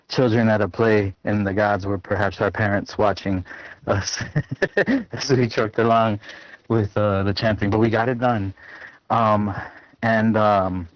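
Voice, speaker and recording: Lowish male voice, slightly winded, rambling check-in over muffled lo-fi call audio. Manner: rambling, many fillers and restarts. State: a little out of breath. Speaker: net participant checking in. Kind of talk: casual check-in on a group call.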